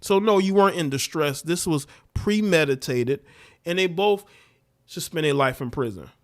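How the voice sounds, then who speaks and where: A man's voice: a little high, expressive, normal speed. A male livestream host rants bluntly about the clips he plays. His tone is scornful and lecturing, and his voice sits a little above the usual male range. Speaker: livestream commentator. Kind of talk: livestream reaction commentary.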